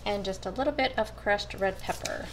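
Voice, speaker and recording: Background noise sits under a woman's medium-pitched voice as she talks at a moderate pace. She's a cooking vlogger in her home kitchen, casually guiding "you guys" through her meal prep one step at a time.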